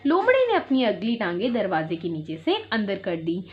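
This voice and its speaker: A woman's voice: medium pitch, huge pitch swings, normal speed, muffled recording, a little hiss or hum. A woman teacher telling a story to young children in an online class, explaining simply and checking in often. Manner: explains and repeats simply, checks in with "theek hai".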